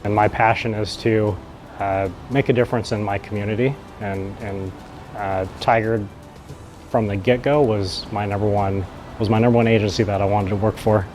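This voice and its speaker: A man who grew up in Southern Oregon, a police officer and father, speaking earnestly and warmly in an interview. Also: lowish voice, steady tone, moderate pace, soft background music. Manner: earnest, friendly, with fillers. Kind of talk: recruitment video interview.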